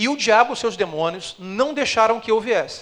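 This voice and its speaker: A man talks with a high pitch. His intonation is lively, and his pace moderate. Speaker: pastor. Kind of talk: sermon.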